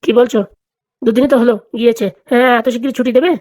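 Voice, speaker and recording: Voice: medium pitch, steady tone, quick pace, darkish tone, dry recording, close to an everyday voice. A performer voicing an anxious, complaining older male tutor in a comedy cartoon, with a fretful, grumbling manner. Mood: worried. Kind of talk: comic cartoon dialogue.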